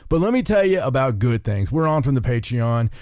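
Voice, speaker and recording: A man's voice: mid-range voice, sing-song, fairly quick, a little mellow, dry recording, clean studio sound. A man hosting a podcast in casual, rambling, jokey chat, full of enthusiasm. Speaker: podcast host.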